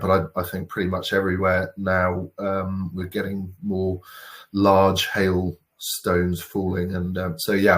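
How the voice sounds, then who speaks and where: A man with a very deep, flat, even voice moderates a webinar Q&A. He puts questions to the presenter haltingly and pads them with uhs and ums. He is speaking over a video call with his camera off. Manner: hesitant, many fillers while framing questions.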